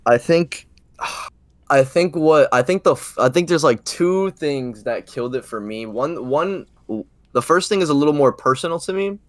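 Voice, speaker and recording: A man's voice: fairly high pitch, animated, normal speed, no echo. A man co-hosting a casual fan podcast, slangy and emphatic, repeating words for stress. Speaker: podcast co-host.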